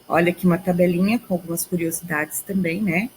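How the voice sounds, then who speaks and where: A teacher with a Brazilian Portuguese accent talks through a recorded grammar lesson, pausing often to check in with her class. Her voice sits somewhat low for a woman. A faint hum of room noise runs under her. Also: steady tone, rough recording. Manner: explains step by step, often checks in with "tá?" and "ok?".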